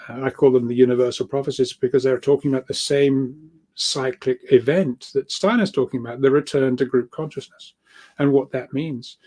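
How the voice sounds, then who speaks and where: A man with a soft-edged, mellow voice at a middling pitch talks informally, like a guest speaker explaining his research. He rambles and halts, doubling back on words as he works through each idea. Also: fairly even intonation, breathy edge. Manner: halting, repeats words, rambling, chuckles often. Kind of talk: informal spoken explanation of spiritual ideas.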